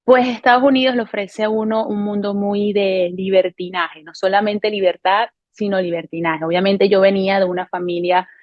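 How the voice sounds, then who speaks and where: A woman in her thirties from Venezuela shares a personal faith testimony straight to camera, earnest and unhurried. She pauses often and corrects herself as she goes. The recording is dry and a little muffled. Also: medium pitch, level tone, dry recording. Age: 30s. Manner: earnest, unhurried, with frequent hesitations and self-corrections. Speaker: testimony speaker.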